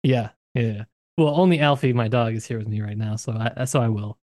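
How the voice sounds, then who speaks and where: Guy on a book podcast musing slowly, restarts a lot, dry close mic. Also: medium pitch, fairly even intonation, a little mellow, no room sound. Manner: thoughtful, searching, many restarts and fillers. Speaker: podcast co-host. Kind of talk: casual book discussion.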